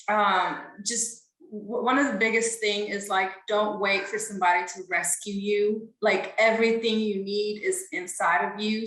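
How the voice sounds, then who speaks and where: A woman's voice: medium pitch, fairly bright tone, reverberant, rough recording. A young woman from Ethiopia, a podcast guest, answering interview questions in an earnest, casual way with frequent fillers.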